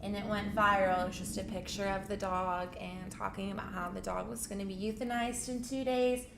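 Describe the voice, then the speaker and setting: A woman's voice: medium pitch, steady tone, fairly quick, gravelly, fairly bright tone. A woman co-hosting a casual live morning show, telling a news story in a chatty way. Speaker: co-host. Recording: echoey room with faint noise.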